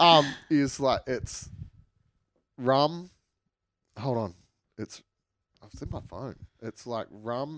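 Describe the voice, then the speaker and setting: With an Australian accent, a man speaks at a very slow pace, leaving long, frequent pauses. His medium pitch has ordinary variation, and his loudness swings widely. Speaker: podcast host. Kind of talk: casual chat.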